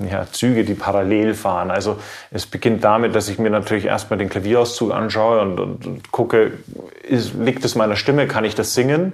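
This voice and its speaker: His intonation holds fairly level. The man keeps a moderate tempo. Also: fairly low pitch for a man. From Bavaria, Chiemgau. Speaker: classical singer. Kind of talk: interview. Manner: halting.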